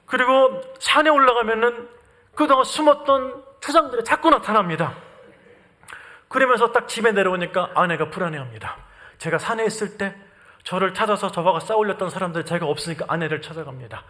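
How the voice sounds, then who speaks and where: A man's voice: high-pitched, a little fast, pushed and bright. A middle-aged man from Korea preaching a sermon as a missionary, telling his story with earnest rhetorical questions to the congregation.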